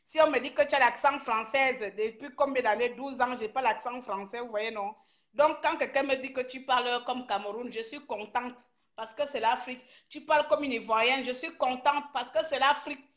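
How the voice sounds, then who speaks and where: A woman's voice: sits high, normal speed. A woman from Gabon speaking in a live social media rant. She scolds in a confrontational way and slips into broken English. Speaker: online activist.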